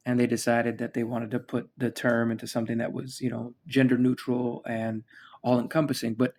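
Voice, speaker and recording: A man's voice: medium pitch, monotone, fairly quick, a little mellow, slight background noise. A man from the United States hosting a podcast, chatting casually and rambling with many fillers and restarts. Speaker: podcast host. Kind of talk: casual chat.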